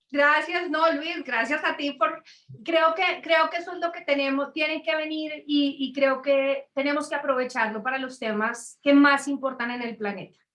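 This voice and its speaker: A woman's high pitch carries a bright, sharp tone with ordinary pitch variation. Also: moderate pace. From Colombia. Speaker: tech entrepreneur. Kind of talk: interview.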